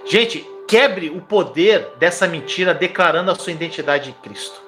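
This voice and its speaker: Fervent high-voiced preacher. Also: male voice, lively intonation, moderate pace, fairly bright tone, faint music behind. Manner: fervent, urging listeners to repeat declarations aloud. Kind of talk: live-streamed sermon.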